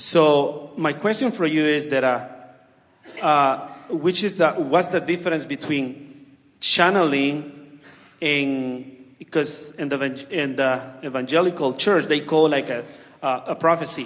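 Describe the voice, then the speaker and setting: A man's fairly high voice with a Spanish accent, a fairly slow pace and ordinary pitch variation, over noticeable background noise. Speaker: audience member at a seminar. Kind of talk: question from the audience. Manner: halting, many fillers.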